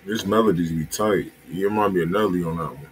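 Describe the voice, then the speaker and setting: A man's voice: deep voice, fast talker, rough recording. An American man co-hosting a music review stream, chatting casually in slang and often repeating himself. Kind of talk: casual livestream chat and feedback. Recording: faint background noise.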